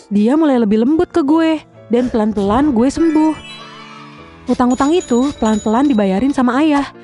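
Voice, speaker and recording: Young woman telling her story, high voice, slangy and candid, faint music under it. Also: dark tone. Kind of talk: casual first-person storytelling.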